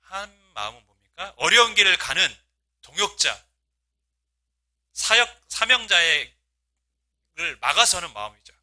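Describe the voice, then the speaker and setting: A man's voice: high-pitched, sing-song, measured pace, long pauses, bright, forceful tone. A male pastor preaching a sermon, asking his congregation rhetorical questions and acting out quoted speech with feeling. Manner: voices quoted speech with rising emotional emphasis.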